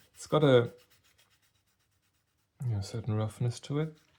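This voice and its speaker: The tone here is dark and mellow. It belongs to a man whose voice is somewhat breathy. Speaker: food reviewer. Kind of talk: casual food review talk to camera.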